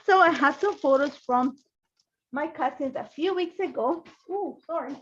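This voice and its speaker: Her high-pitched voice moves at a moderate pace over a little hiss or hum as she runs a relaxed craft livestream from her home craft room. She is a middle-aged Ecuadorian woman who chats, rambles and greets viewers by name, picked up by a phone and laptop setup with dull lo-fi quality.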